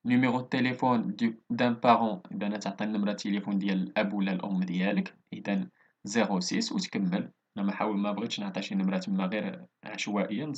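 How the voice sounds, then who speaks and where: Man, Moroccan accent, teacher, slow careful French dictation, husky voice, dull lo-fi sound. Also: on the low side, a little mellow. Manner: slow, deliberate French dictation, quick Darija asides. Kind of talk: explaining a worksheet. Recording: dull lo-fi recording.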